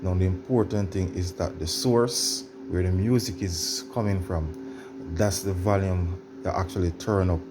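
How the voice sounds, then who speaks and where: Deep-voiced man giving an informal tutorial. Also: fairly even intonation, a little slow, music in the background. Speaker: tutorial presenter. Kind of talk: informal how-to demonstration.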